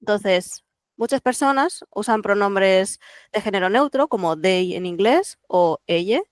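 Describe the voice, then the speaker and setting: Smooth-voiced Catalan speaker explaining calmly. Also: female voice, medium pitch, dry recording, studio quality. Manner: thoughtful, explanatory, many fillers. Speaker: guest translator. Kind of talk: relaxed podcast interview.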